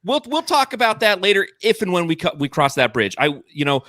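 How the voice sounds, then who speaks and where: A man hosting a sports podcast, hyping up his team with playful banter and drawn-out emphasis. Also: high voice, very animated, pushed and bright, no echo, clean studio sound. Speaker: podcast host.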